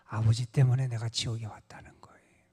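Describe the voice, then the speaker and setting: A man's voice: medium pitch, little pitch movement, brisk, dark tone, breathy edge. A man voicing a grown son who angrily blames his father for his ruin, told as a story within a sermon. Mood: resentful. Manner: angry, accusing. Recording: long church reverb.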